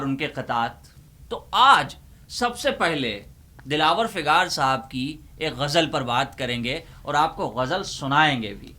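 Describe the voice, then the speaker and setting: A man playing a theatrical, easily exasperated old uncle librarian who presents and recites comic poetry in a declamatory way with deliberate pauses. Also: fairly high pitch, bright, forceful tone. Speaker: host.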